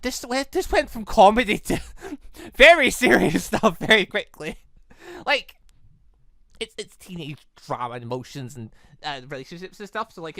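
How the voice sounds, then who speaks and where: In a dry recording, a medium-pitched gaming host rambles through casual commentary on a visual novel. He's animated, exclaiming often, wandering into asides, and reading snippets of the game's dialogue out loud.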